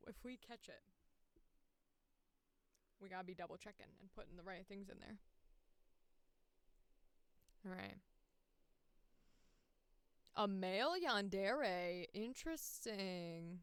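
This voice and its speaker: A woman's voice: medium pitch, takes it slowly, long pauses, smooth. A woman chatting casually and swearing freely as she talks herself through her work on a livestream. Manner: sweary, exclamatory, self-narrating. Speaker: voice actor livestreaming. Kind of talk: casual livestream chat while working.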